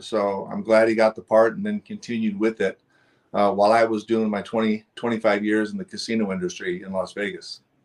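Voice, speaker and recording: At a fairly quick pace, a man talks in an ordinary speaking voice with medium pitch and fairly even intonation. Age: 60s. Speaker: actor. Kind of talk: interview.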